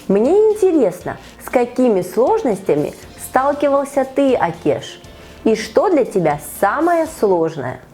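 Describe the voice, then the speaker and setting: A woman hosting an online conversation as a Russian teacher, asking a learner measured, encouraging questions. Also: high voice, big pitch swings, warm tone, soft background music. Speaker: Russian teacher and podcast host. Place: online call.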